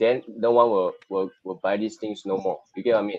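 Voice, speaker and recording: At a moderate pace, a man talks with a dry, close sound and no echo. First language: not English. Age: 30s. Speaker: artist. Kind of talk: casual chat. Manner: halting.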